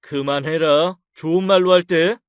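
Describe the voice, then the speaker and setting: A man's voice: fairly high pitch, steady tone, normal speed, smooth, no room sound, natural voice. Man playing an arrogant husband, contemptuous, threatening, radio drama, dry close sound. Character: arrogant, hot-tempered husband.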